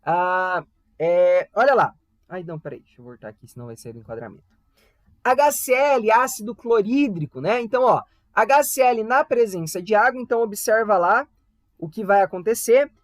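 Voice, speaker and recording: A man's voice: high voice, lively intonation, normal speed, no echo. Chatty young Brazilian man tutoring online. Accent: Brazilian Portuguese. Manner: chatty, frequent tag questions, playful asides. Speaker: volunteer chemistry tutor. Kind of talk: casual online class.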